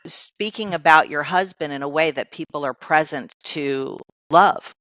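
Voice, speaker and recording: A woman's voice: deep voice, measured pace, a bit bright, dry recording. A woman life coach, a podcast guest, explaining ideas patiently with many everyday examples.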